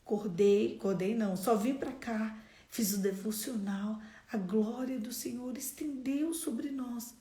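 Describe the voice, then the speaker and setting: Brazilian woman preaching a devotional, kinda high voice, gets loud and punchy, echoey room. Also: measured pace. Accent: Brazilian Portuguese. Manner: emphatic, exhortative, swings to loud bursts.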